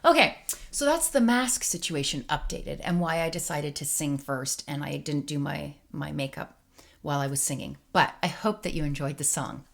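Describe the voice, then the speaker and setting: A woman's voice: low-pitched, animated, moderate pace, gravelly. A woman in her thirties, a teacher, talking casually and emotionally to her viewers in a rambling personal vlog with many fillers. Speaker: teacher and vlogger.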